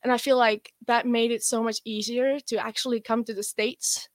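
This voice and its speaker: A young woman with an Estonian accent, a guest athlete chatting in an interview, relaxed and rambling with many fillers. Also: fairly high pitch, normal speed, no echo. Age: young adult. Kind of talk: casual interview chat.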